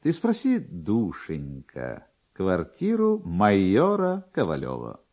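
A man's voice: sits low, huge pitch swings, slow pace, dark tone, highs cut off, heavily acted. Man doing a pompous, flirtatious petty official. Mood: pompous, coaxing. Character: self-important, flirtatious male minor official.

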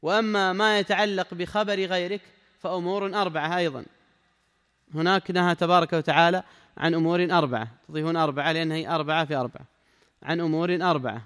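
A man's voice: a little high, steady tone, fast, fairly bright tone, long reverb tail. A man giving a religious lesson, emphatic and repeating his key phrases as he speaks straight to the listener. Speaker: Islamic scholar giving a lesson.

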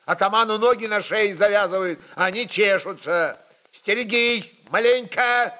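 A man's voice: high-pitched, a little slow, sharp tone, voice pushed up. Man doing a curt, irritable Cossack lieutenant. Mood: angry scolding. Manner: curt, scolding peasant speech.

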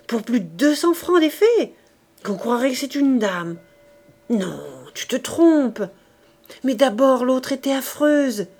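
A woman doing a shrill, hateful old shrew. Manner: shrill, shouting, venomous. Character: coarse, furious poor older woman, jealous and hateful.

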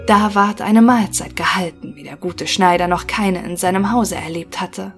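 A woman reading a fairy tale audiobook aloud in a clear, gently expressive storytelling voice. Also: on the low side, normal speed. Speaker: narrator. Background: faint music.

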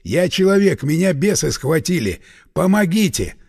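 A man voicing a desperate middle-aged man, caught by soldiers, who pleads and curses in a lower voice. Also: very animated, normal speed, darkish tone, slightly rough, big-room sound, full character voice. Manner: pleading, then cursing.

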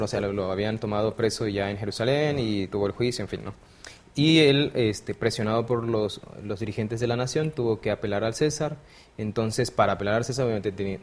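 Young Mexican man explaining thoughtfully. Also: fairly low pitch. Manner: thoughtful, frequent fillers like "este" and "¿no?". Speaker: theology student, panel guest. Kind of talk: explanatory conversational retelling.

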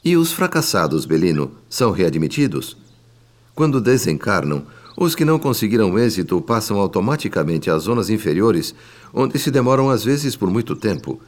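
A male actor with a Brazilian accent playing an earnest, reverent spirit who narrates a radio drama in a solemn, measured, formal way. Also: lowish voice, sing-song. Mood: earnest, questioning. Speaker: narrator character. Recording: long reverb with music behind. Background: music.

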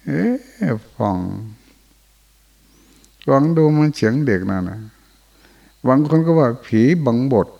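Older monk with a gravelly, warm voice. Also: male voice, medium pitch, animated, takes it slowly, long pauses, muffled recording. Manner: folksy storytelling with chuckles. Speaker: Buddhist monk. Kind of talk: informal dharma talk. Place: monastery hall indoors.

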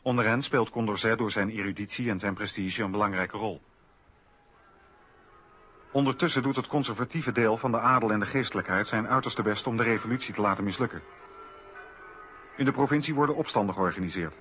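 A man's voice: fairly low pitch, brisk, pauses often, a bit bright, highs cut off, a little hiss or hum. A man narrating a scripted historical radio documentary.

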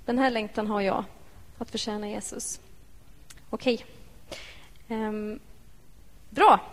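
A woman giving a personal devotional talk to a congregation, reflective and gentle, asking the listeners questions. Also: mid-range voice, fairly even intonation. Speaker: devotional speaker. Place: church hall. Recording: echoey church hall.

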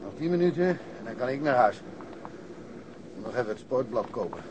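A man's voice: medium pitch, expressive, fairly quick, background noise, natural voice. An actor in a Dutch radio drama playing a grumbling, work-shy veteran patrol policeman.

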